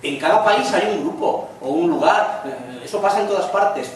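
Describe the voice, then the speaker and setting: Spanish-accented male lecturer, joking and chatty, voice a little high, recorded from far off in an echoey room. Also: lively intonation. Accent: Spanish (Spain). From Spain. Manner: chatty, tells jokes with quick acted lines. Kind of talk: lecture with jokes.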